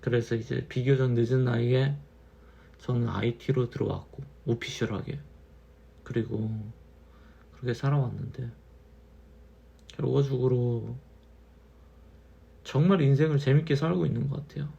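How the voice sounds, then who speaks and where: A man in his thirties, a little tipsy from wine, musing slowly in a casual monologue and repeating his phrases. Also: mid-range voice, fairly even intonation, creaky, mellow, husky, lo-fi sound. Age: 30s. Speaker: channel host.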